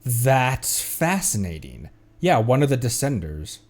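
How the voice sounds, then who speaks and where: A man's voice: medium pitch, sing-song, a little slow, darkish tone. A man streaming a game with casual, musing commentary, often repeating phrases as he works through his thoughts.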